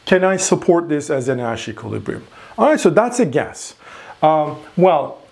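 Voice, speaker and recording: A man in his forties lectures in front of a whiteboard, his voice sitting a little high for a man. He explains patiently, stumbling and restarting words as he thinks, and keeps checking in with his listeners. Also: sing-song, moderate pace, vocal fry, darkish tone. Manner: explanatory, repeats words while thinking, frequent "all right?" checks.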